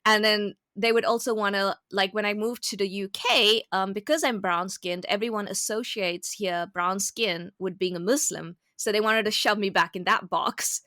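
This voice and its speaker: A woman's voice: medium pitch, steady tone, moderate pace, few pauses, bright, forceful tone, dry recording, studio quality. A woman from South Africa with a South African accent, speaking earnestly and reflectively as a guest in a casual interview. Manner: earnest, reflective, laughs easily.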